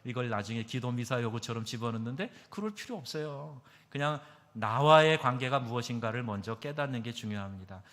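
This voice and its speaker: A man, a pastor, preaching a sermon emphatically, asking his congregation questions and moving between loud stresses and soft asides. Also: medium pitch. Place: church sanctuary. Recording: long hall reverb.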